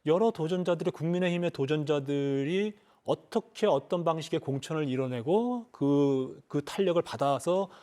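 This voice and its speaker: A middle-aged man, a former lawmaker, giving political commentary on a TV panel, halting often with "uh" and hedging his points. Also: fairly high pitch, dark tone. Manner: halting, with frequent "uh" fillers and measured hedging.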